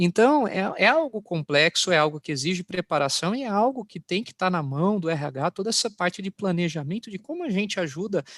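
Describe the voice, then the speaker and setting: In a very clean recording with a silent background, a man with a high voice and a São Paulo countryside accent talks fairly quickly with lively intonation. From interior of São Paulo state, Brazil. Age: 30s. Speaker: business executive. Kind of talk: interview answer.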